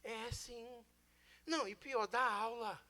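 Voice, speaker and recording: A man's voice: very high-pitched, steady tone, takes it slowly, sharp tone. A man with a Brazilian Portuguese accent preaching a sermon, emphatic and conversational, firing rhetorical questions at the congregation. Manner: conversational, mixes in personal stories.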